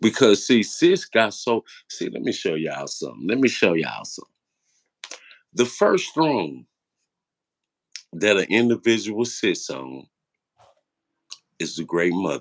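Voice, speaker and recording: Recorded very cleanly against a silent background, a man with vocal fry speaks at a medium pitch and fairly slow pace, his pitch swinging very widely between long, frequent pauses. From US South. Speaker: spiritual commentator. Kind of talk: casual live stream discussion. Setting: live stream. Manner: animated.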